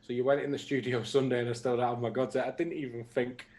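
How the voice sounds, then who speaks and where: A man's voice: mid-range voice, little pitch movement, quick pace, a little mellow. A man, co-hosting a casual livestream and chatting through viewer comments. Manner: chatty, reads out comments with asides. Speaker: co-host reading viewer comments.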